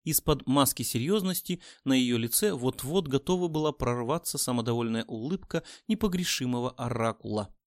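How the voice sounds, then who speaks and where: A man's voice: mid-range voice, lively intonation, normal speed, few pauses, darkish tone, no echo, studio quality. Man reading a dramatic audiobook. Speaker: audiobook narrator. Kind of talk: expressive scripted narration.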